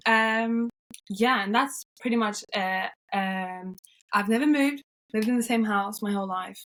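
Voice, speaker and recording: A woman's voice: mid-range voice, measured pace, a bit bright. A young woman from Norway, cheerful and upbeat, chatting casually as an interview guest, with frequent yeahs and ums.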